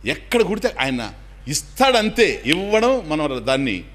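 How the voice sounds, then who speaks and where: Animated swami giving a discourse. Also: male voice, on the high side, a little slow. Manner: animated, acts out anecdotes, drops English phrases. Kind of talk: spiritual discourse with storytelling.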